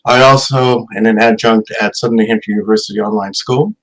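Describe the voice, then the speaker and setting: A middle-aged man from Massachusetts, an educator presenting a talk with slides, hesitant and filling pauses with many ums. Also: on the low side, steady tone, rough recording.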